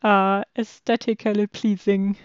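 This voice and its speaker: A woman's voice: medium pitch, little pitch movement, measured pace, clean tone, no room sound. A woman co-hosting a casual podcast, reading survey answers and chatting enthusiastically. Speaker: podcast co-host. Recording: dull lo-fi microphone.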